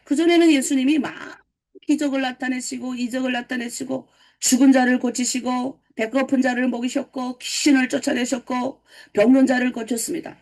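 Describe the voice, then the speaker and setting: A middle-aged woman pastor from North Korea with a North Korean accent, giving a lively morning sermon and putting questions to her congregation. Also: sits high, moderate pace. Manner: lively, asks the congregation questions and answers them. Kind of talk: early-morning sermon lecture.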